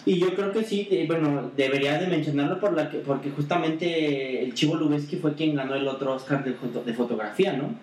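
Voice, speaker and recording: A man's voice: a little high, a little fast, few pauses, a little mellow. A man co-hosting a casual podcast, adding brief informative remarks and introducing a song. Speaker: podcast co-host. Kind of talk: casual chat. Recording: roomy echo with faint background noise.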